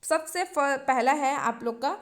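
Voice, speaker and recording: A woman with a high, light voice delivers an exam-prep lesson. She reads each definition from her notes and then explains it again in plain terms. She keeps checking in with her students as she goes. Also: slow. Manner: explains step by step, often checking in with the class. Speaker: teacher.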